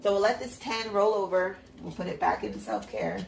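A budgeting vlogger with a congested, stuffed-up nose chats upbeat while counting cash into envelopes at a table at home, chatty and self-encouraging. An overhead camera shows only her hands, with the mic off-frame. Her mid-range voice is sing-song, a little fast and fried, with reverb and a little hiss or hum.

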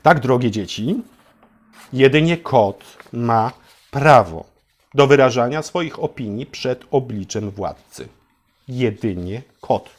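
A man's voice: mid-range voice, animated, slow. A man narrating a satirical fairy tale for adults in a theatrical, mock-solemn way, as if addressing children. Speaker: storyteller and channel host.

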